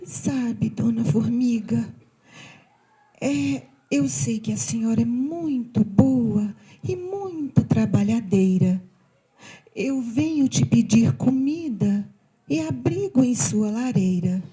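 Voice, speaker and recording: A woman from voicing a sweet, humble female cicada who pleads in a soft, gentle way. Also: fairly high pitch, expressive, slow pace, breathy edge, heavily acted. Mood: pleading.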